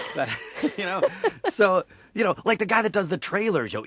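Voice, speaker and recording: A man speaks with a Syracuse accent. His pitch varies in an ordinary way. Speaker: voice actor. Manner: hesitant, many filler words.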